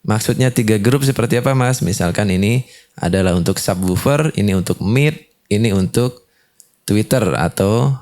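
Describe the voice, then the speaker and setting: Casting: man, lowish voice, hands-on instructor who explains step by step and checks in with short tags. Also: normal speed, a little mellow. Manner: explanatory, with frequent confirming tags. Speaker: audio tutorial presenter.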